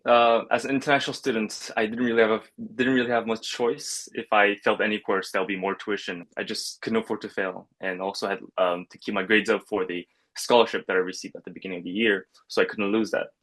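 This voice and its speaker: A man's voice: fairly low pitch, little pitch movement, fast talker, few pauses, a bit bright. Hesitant young man, student guest. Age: young adult. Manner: hesitant, many fillers. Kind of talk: video call interview. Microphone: video call webcam.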